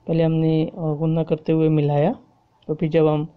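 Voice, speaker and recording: A woman's voice: sits low, completely flat delivery, smooth, narrow, tinny audio. Patient woman teaching Quran recitation. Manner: patient, repeats each rule and checks with a questioning "okay?"; recites the Arabic examples slowly and drawn out. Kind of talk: explanatory tajweed lesson.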